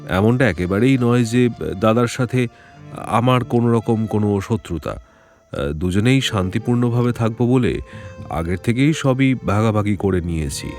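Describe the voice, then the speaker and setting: A man's voice: medium pitch, darkish tone, natural voice. An actor playing an anxious middle-aged jeweller who fears he will be murdered, talking in a hesitant, worried way with faint music behind. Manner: hesitant, worried, explaining at length. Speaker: client. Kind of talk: Bengali audio drama acting.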